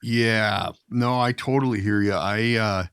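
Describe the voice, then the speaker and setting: A man's voice: on the low side, fairly even intonation, measured pace, vocal fry, fairly bright tone, clear, resonant tone, no echo, studio quality. A middle-aged man hosting a podcast, asking questions in a casual, rambling, informal way. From Minnesota. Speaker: podcast host. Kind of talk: casual interview chat.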